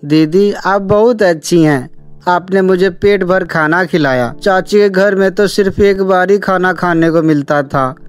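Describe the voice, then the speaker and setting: A forlorn little orphan boy from a cartoon tale, played by a woman, speaking very slowly and plaintively. He is polite and humble. Music with plucked strings sits behind the voice. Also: lowish voice, close to an everyday voice. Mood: grateful, hurt. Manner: plaintive, slow. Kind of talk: cartoon moral story character acting.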